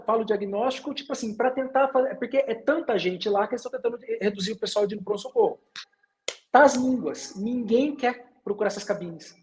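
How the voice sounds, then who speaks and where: A middle-aged man, a doctor, telling stories about patients in a lively, casual way over a live video chat. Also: sits high. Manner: lively storytelling, quotes patients. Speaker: doctor guest.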